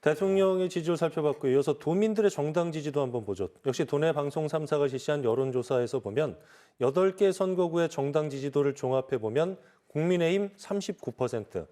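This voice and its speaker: A man hosting a live current-affairs panel show, reading poll figures in a clear, even announcer delivery and questioning his guests. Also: fairly high pitch, quick pace. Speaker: news talk show host. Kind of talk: broadcast panel moderation.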